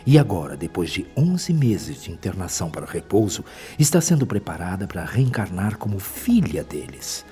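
An actor with a Brazilian accent playing a wise, gentle male spirit mentor in a radio drama, speaking in a measured, solemn, didactic way. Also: on the low side. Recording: long reverb, music behind.

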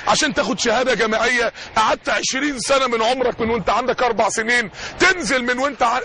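A young Egyptian man preaching an impassioned sermon, building fervently and shouting out key lines. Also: very high voice, a little hiss or hum. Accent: Egyptian Arabic.

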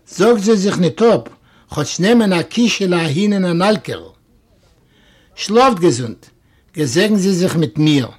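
A man's voice: high-pitched, animated, a little slow, a little mellow, husky, full character voice. A man voicing a kindly, pious woman innkeeper in a read-aloud story, fussing over her guests as she wishes them good night. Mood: hospitable.

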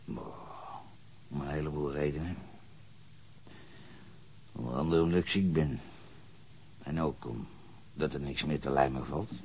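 An actor playing a coarse, hard-drinking sea captain who is under questioning, gruff and blunt in a radio drama. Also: male voice, a bass voice, unhurried, pauses often, a little mellow, full character voice. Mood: bitter. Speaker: suspect being questioned.

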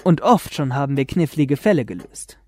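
An actor playing a polite, clever young detective. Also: male voice, mid-range voice, animated, normal speed, a little mellow, no echo, close to an everyday voice. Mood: confident. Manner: polite, self-assured. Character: calm, clever teenage boy detective. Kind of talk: German radio drama acting.

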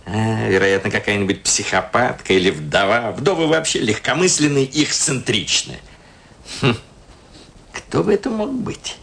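A man's voice: medium pitch, creaky, fairly bright tone, full character voice. An actor playing a self-important, easily flustered middle-aged married man in a radio play, muttering to himself with theatrical hesitation. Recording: radio play with music underneath.

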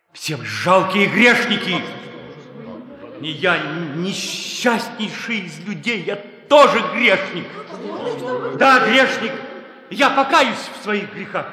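An actor playing a tormented, self-loathing hermit preacher in a radio drama, declaiming theatrically and repeating words for emphasis. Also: male voice, high-pitched, bright, forceful tone, heavily acted. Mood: agitated, contemptuous. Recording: music behind the voice.

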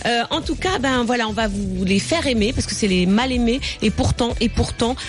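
A woman's voice: a little high, normal speed. A woman veterinarian chatting cheerfully as a regular guest on a radio show. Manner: cheerful, laughs easily. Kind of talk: radio chat.

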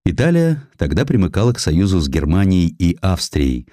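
A man narrating a scripted historical essay as an audiobook, telling it in an expressive, measured, literary manner. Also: low-pitched, no echo. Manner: expressive, measured storytelling delivery.

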